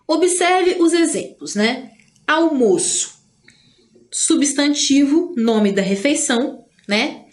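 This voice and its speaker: Woman teacher with a Brazilian accent, a little high-pitched, chatty, stretches out example words. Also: expressive. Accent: Brazilian Portuguese. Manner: chatty, tags phrases with "né?"; drawls out example words slowly. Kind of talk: online grammar lesson.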